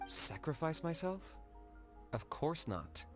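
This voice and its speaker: A man playing a calm, stoic young tribal hunter with a measured, matter-of-fact manner in a video game. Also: a little high, over loud music.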